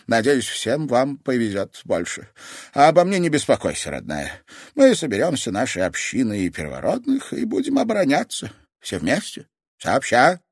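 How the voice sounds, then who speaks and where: A man's voice: on the high side, lively intonation, fairly quick, dry recording, clean studio sound, voice pushed up, natural voice. A man voicing a firm but protective older woman, a grandmother, in an audiobook. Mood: sad, resolute.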